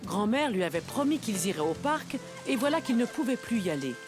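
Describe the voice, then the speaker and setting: A woman reading scripted storybook narration for a children's cartoon, with expressive storytelling. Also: a little high, brisk. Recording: music behind the voice.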